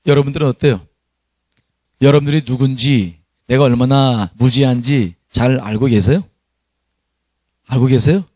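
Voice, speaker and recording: A man's voice: mid-range voice, dry recording, studio quality. A middle-aged man preaching a sermon as pastor, reading scripture aloud with his congregation and chuckling at his own past.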